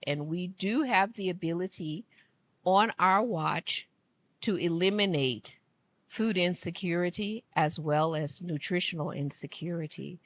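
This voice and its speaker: A woman from Liberia giving an earnest, emphatic speech at an event, speaking slowly. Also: lowish voice, no room sound. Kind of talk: formal public speech. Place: conference room.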